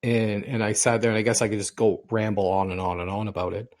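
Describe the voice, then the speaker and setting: A man's voice: fairly low pitch, flat delivery, quick pace, darkish tone. A middle-aged man co-hosting a casual podcast, telling long rambling stories and often repeating himself. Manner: rambling storyteller, repeats and restarts words. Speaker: podcast co-host.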